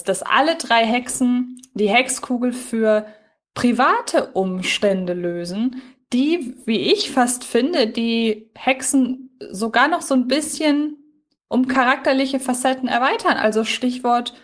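Woman chatting as a podcast co-host. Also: on the high side. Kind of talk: casual podcast discussion of an audio drama episode.

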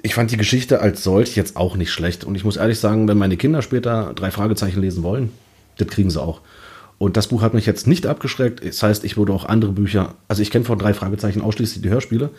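Male panelist for casual review chat, dark relaxed tone with a raspy edge. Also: on the low side, fast talker. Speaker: podcast panelist. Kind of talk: casual book review discussion.

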